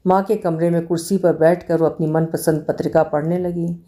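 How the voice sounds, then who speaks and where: A woman reading a short story aloud in a measured, expressive way. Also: fairly low pitch.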